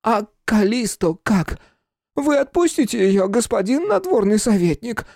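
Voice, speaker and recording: A man voicing an excitable, fervent male helper to a fortune-teller, who talks in shrill, pleading outbursts. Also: a little slow, vocal fry, no echo, clean studio sound, full character voice.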